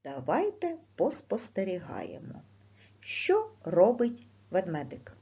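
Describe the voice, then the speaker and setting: A woman teaching a primary school lesson, speaking slowly and clearly with questions to the class. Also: medium pitch. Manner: slow, clear teacher's delivery with lively rising questions. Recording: dull lo-fi recording.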